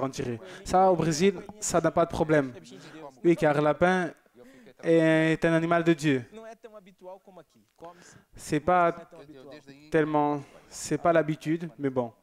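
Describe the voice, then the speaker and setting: Man host, church TV, slightly high voice, casual and joking, reads out viewers' messages. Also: a little mellow. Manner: chatty and joking, with loose asides. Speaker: church TV presenter. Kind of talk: casual broadcast chat reading viewer messages.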